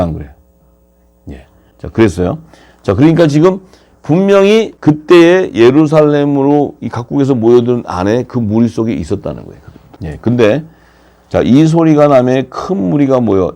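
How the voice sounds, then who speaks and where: A man preaching a sermon, lively and questioning his listeners, his pitch swinging up and down. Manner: animated, asks the audience questions, pitch swings widely.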